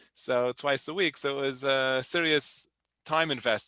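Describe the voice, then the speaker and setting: A man speaks with a fairly high pitch and a bright, sharp tone. The sound is dry and close with no echo, over a quiet background. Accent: New York. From US, Brooklyn, New York. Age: 40s. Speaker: rabbi and teacher. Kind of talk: interview.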